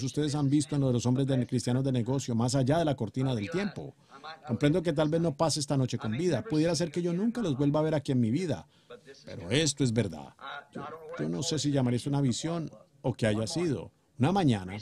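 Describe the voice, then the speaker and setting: A man delivers a sermon with a dark, mellow voice. He preaches earnestly, rising to loud calls and then dropping to hushed storytelling. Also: mid-range voice, creaky.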